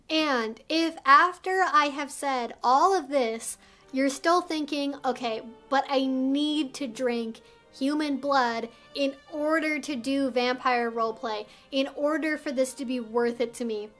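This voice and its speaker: A woman's voice: sits high, a bit bright. A woman hosting an instructional video, explaining things to viewers in an articulate, emphatic way. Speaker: video host and educator. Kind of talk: instructional talk to viewers, semi-scripted.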